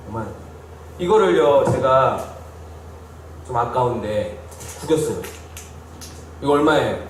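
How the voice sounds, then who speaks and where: A male pastor giving an emphatic Bible study sermon, repeating phrases and asking the congregation questions. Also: medium pitch. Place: church hall. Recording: very echoey hall, distant mic, faint hiss.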